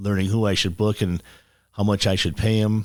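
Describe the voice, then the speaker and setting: A man with an American accent and a fairly low pitch at a fairly quick pace in a very clean recording with a silent background. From western New York (Pittsford, near Rochester). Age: 60s. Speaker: pub and music venue owner. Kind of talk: radio interview. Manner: fast.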